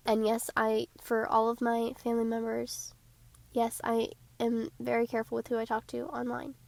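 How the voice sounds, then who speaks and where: A teenage girl from Georgia runs her own podcast, chatting solo and casually in a quick, eager, bubbly way despite a stuffy nose. Her voice is on the high side and a bit bright, and the recording is dry.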